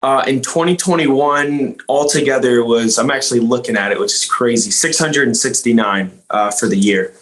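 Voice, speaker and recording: A man's voice: medium pitch, normal speed, hardly any pauses, a bit bright, poor audio. A young man from Louisiana, a guest on a podcast, telling his story in an earnest, rambling way with many fillers and restarts. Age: young adult. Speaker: guest, insurance agent. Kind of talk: casual podcast interview.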